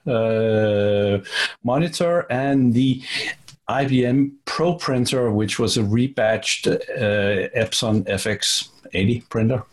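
A middle-aged man from Denmark, a native Danish speaker with a Danish accent, answering interview questions in a relaxed, thoughtful way. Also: mid-range voice. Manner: relaxed, thoughtful, with fillers and repeats. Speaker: guest, author and software business partner.

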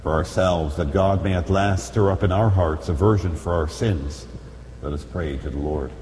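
A man speaking as a priest at Mass, reciting solemn liturgical prayers in a formal, measured way, at times chanting, in an echoing church. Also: low-pitched, darkish tone. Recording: echoey church, long reverb, background noise.

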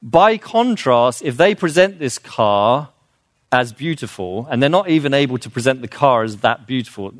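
A man's voice: medium pitch, expressive, normal speed, no room sound. Earnest man in a dry, close recording. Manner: earnest, explanatory, with frequent restarts and fillers. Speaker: speaker on children's literature. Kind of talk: informal lecture.

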